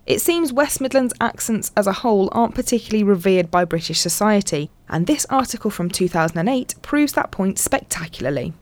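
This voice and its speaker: A woman with a slight Black Country accent, presenting and narrating a documentary in a clear, measured way. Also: mid-range voice, lively intonation.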